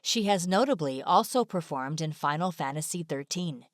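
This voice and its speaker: A woman's voice: low voice, lively intonation, normal speed, no room sound, studio quality. A woman reading scripted narration for an online video as a voice-over. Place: close, dry voice-over recording.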